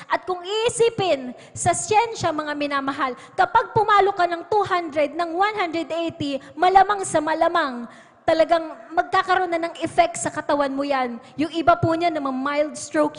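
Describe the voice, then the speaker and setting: A woman with a Filipino accent gives an earnest testimony from the pulpit of a church hall. Her voice sits very high, and she keeps addressing the congregation as beloved. The livestream carries the hall's long reverb around her. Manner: earnest, repeats "mga minamahal" as address. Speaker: church worker giving testimony. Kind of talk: testimony at Sunday worship. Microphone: pulpit microphone.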